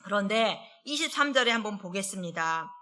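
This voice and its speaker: A woman associate pastor giving a conversational midweek sermon. She asks the congregation questions and slows down to read scripture aloud. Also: medium pitch, lively intonation, bright, forceful tone. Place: church service.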